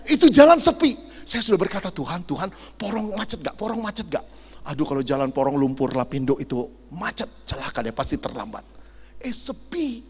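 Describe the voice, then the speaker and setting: A middle-aged man, a pastor, preaching a lively sermon full of jokes and acted-out stories. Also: on the high side, slightly rough. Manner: animated, jokey, acts out dialogue and sound effects. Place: large hall at a youth camp. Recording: long hall reverb.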